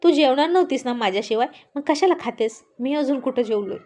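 A young husband in a storybook, curt and exasperated, scolding his wife, as a woman narrator plays him. The voice stays fairly high, close to the reader's own. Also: lively intonation, a little fast, darkish tone.

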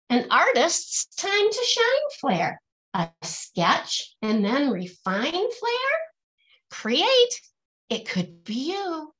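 A middle-aged woman with a high, fairly bright voice reads a picture book to children in a singsong, teacherly manner, stressing the rhymes and asking questions.

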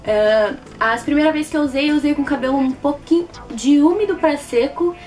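Casting: Brazilian woman, twenties, high voice, casual and expressive product-review delivery, light music bed underneath. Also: brisk. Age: 20s. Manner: expressive, repeats words for emphasis. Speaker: beauty vlogger reviewing products. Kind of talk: casual chat to camera. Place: small plain indoor room.

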